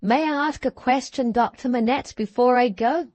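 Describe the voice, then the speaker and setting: A woman voicing a gruff, cheeky working-class English handyman in a storybook, with a hoarse growl. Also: sits high, normal speed, a little mellow, no echo, pitched above the performer's own voice. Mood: deferential.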